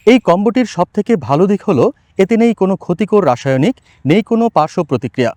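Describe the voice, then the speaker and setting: A man's voice: high-pitched, very animated, racing, a little mellow, no echo. A man reading a scripted product advertisement as a voice-over artist.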